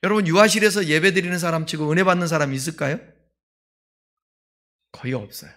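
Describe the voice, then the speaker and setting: This pastor, a man with a fairly high voice, moves briskly through a sermon that feels like a conversation. He questions the congregation and swings from forceful emphasis to soft asides.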